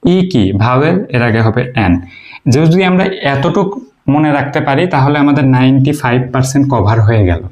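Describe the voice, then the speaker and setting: A man from Bangladesh gives a relaxed beginner English lesson to video viewers. His pitch sits in an ordinary middle range. He works through the rules step by step, stopping to ask questions and then answering them. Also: fairly quick. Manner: explains step by step, asks the listener questions and answers them himself; frequent hesitations and fillers while he thinks. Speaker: English teacher. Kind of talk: informal video lecture.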